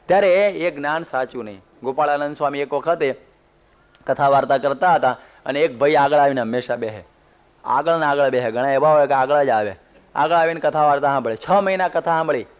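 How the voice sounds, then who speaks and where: A man's voice: a little high, a little fast, clean tone. A man, a monk, giving a sermon, telling homely stories with humorous asides. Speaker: monk giving a religious discourse. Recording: dull lo-fi CD recording.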